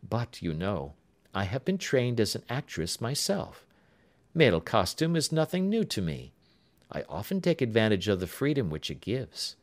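A man reading aloud as a clever, composed young actress, poised and gently mocking. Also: lowish voice, big pitch swings, moderate pace. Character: clever, composed young woman, an actress writing a farewell letter.

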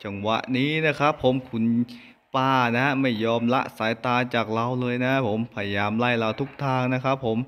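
A man hosting a horror game let's-play, excitable and often yelling in alarm while talking to his viewers. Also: mid-range voice, normal speed. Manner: excitable, exclaims loudly when startled, talks to viewers. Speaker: gaming channel host.

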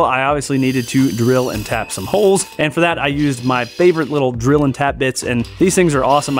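Man, 30s, mid-pitched, casual DIY narration, basement workshop, faint music behind. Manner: casual, upbeat, practical, chuckles at himself. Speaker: woodworking channel host. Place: large basement workshop, indoors.

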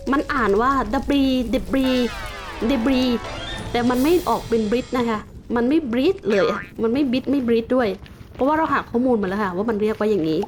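A Thai woman playing Minecraft and commenting as she goes, mixing playful mock-villain taunts with polite explanations of the game. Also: a little high. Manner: polite sentence endings, explains game facts. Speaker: gaming YouTuber.

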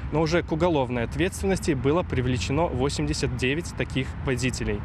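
A young man, a traffic police inspector, giving a formal, bureaucratic statement into a handheld reporter's mic outdoors. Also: mid-range voice. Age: young adult. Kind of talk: official interview statement. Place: outdoors by a building on a street. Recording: outdoor street noise.

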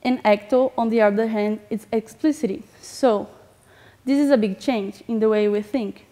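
A woman's voice: a little high, steady tone, moderate pace, mellow. A young woman from Brazil with a Brazilian Portuguese accent, giving a conference talk in a large hall, earnest and a little nervous, with frequent "um"s. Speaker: conference speaker.

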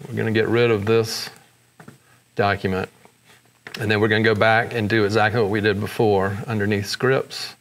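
A man with a fairly low voice narrates a screen-recorded editing tutorial. He moves step by step in an easygoing way, dropping in fillers as he goes. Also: normal speed. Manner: relaxed step-by-step explaining with fillers. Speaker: photography tutorial host.

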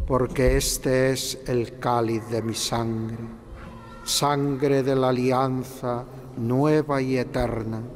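A middle-aged man, a priest, reciting liturgical prayers in a slow, measured, solemn way at an altar microphone in a large cathedral. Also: mid-range voice, darkish tone, a little hiss or hum. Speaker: priest celebrating Mass. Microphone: stand microphone at the altar. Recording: cathedral reverb, faint ambience.

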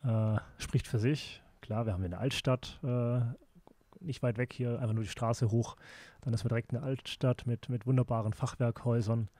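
Mellow man hosting a podcast. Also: medium pitch, fairly even intonation, normal speed. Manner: appreciative, speaks in short fragments. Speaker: podcast host, interviewer. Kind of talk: casual interview chat.

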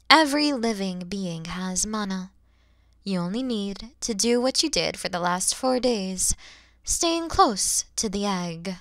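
A woman's voice: mid-range voice, no echo, clean studio sound. A woman voicing a kind, motherly and playful dragon woman in an ASMR audio roleplay, speaking expressively and directly to the listener. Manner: expressive, teasing, gentle, addressing the listener directly.

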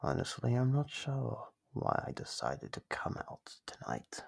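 An actor voicing an ancient, gleefully predatory monster in an ASMR horror roleplay, husky and breathy, teasing with slow menace. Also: male voice, medium pitch, huge pitch swings, full character voice. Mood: sinister anticipation. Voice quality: husky, gravelly, breathy with whispers. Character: gleeful predatory monster from under the bed, centuries old.

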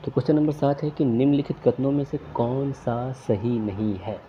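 A man steps through exam questions as a tutor, reading each question and its options aloud before naming the correct answer. His voice sits at an ordinary middle pitch. The recording is slightly dull and lo-fi, with faint background hiss. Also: moderate pace. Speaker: quiz tutor.

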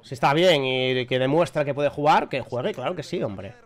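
A man reacting live to a football match as a fan, chatty and excitable, shouting at the big moments. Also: medium pitch, normal speed.

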